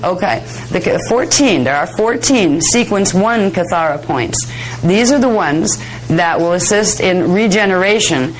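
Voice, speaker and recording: A woman with a slightly hoarse, raspy voice giving an informal workshop lecture in a chatty, conversational manner. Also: on the low side, animated, a little slow, soft background music, rough recording. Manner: conversational, chatty, self-deprecating asides. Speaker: workshop instructor. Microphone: worn or held microphone close to the face.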